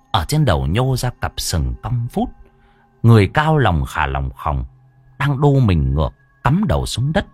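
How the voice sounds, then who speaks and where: A man's voice: husky, no echo. A man narrating a ghost story dramatically. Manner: dramatic, swinging pitch.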